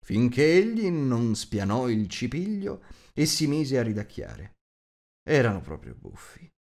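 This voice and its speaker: A man narrating an audiobook with expressive storytelling. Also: medium pitch, unhurried, gravelly. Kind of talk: reading an audiobook.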